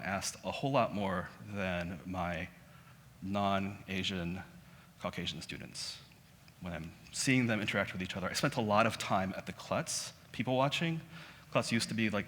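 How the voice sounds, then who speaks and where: A man's voice: lowish voice, fairly bright tone, slight background noise. Man giving a casual lecture in a hall. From South Korea. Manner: conversational, self-deprecating, many restarts. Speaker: guest lecturer. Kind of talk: public lecture. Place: auditorium. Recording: hall reverb.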